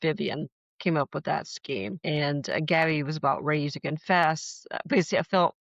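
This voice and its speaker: A woman with a deep voice hosts a podcast, recapping a soap opera at normal speed in a frank, chatty style loaded with fillers. The recording is dry, with a dull, lo-fi sound.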